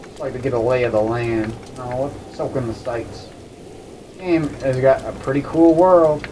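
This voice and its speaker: A man's voice: mid-range voice, normal speed. Guy rambling to himself playing a video game, mic kinda far off, lots of background noise. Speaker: gaming host. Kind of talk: casual let's-play commentary.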